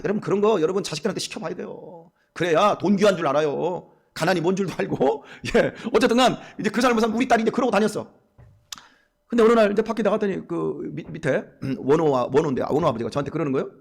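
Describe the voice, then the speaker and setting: A middle-aged man who is a pastor, preaching a dawn sermon in a church in an animated storytelling way, playing out conversations in a lowered voice. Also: gravelly, slightly rough. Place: church sanctuary.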